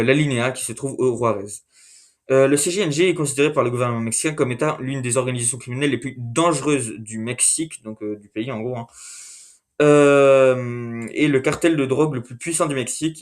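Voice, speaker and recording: Male host, mid-pitched, casual recap delivery, lots of fillers and restarts, self-correcting. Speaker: video host. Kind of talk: casual monthly recap narration.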